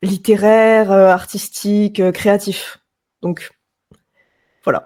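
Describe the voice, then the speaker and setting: The pace is very slow. Intonation stays monotone and flat. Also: woman, medium pitch for a woman. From southwest France, Toulouse. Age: 20s. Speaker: voice actress and actress, neuroscience student. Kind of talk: casual podcast interview.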